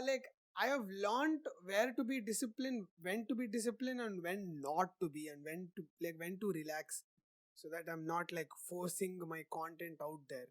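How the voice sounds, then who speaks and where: A man's voice: sits high, dry recording. Young man rambling with many fillers. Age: young adult. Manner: rambling, heavy use of "like" fillers. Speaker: podcast host. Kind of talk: casual conversational interview answers.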